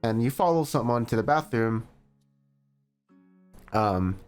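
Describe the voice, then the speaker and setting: A man's voice: mid-range voice, lively intonation, slow pace, a little mellow, faint music behind. Man skimming a text aloud with sarcastic asides. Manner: skims text, skipping parts with "blah, blah"; sarcastic asides between passages. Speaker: streamer reacting to a post. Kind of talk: reading aloud and commenting.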